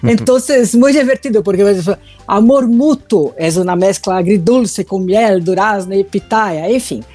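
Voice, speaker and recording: A woman's voice: medium pitch, normal speed, hardly any pauses, warm tone, faint music behind. A woman from Brazil with a Brazilian Portuguese accent, a native Portuguese speaker, answering interview questions as a food journalist and searching for words in a second language. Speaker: food journalist, radio guest.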